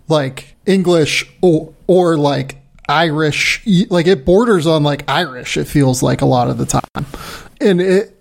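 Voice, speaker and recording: A man's voice: a little high, creaky. A man hosting a podcast in casual chat, talking loosely and repeating words. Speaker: podcast host.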